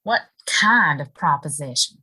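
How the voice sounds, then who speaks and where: Plain-spoken young frontier barmaid, female actor, slow and crisp-edged, guarded, skeptical radio-play delivery. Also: sits low, animated, pushed and bright, exaggerated voice. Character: wary, plain-spoken young saloon serving girl. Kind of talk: audio play acting.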